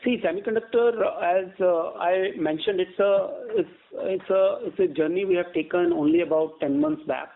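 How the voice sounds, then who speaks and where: A man, a company executive answering analysts on an earnings call in a halting, measured way, often repeating words. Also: high voice, gravelly. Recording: narrow tinny phone-line conference call.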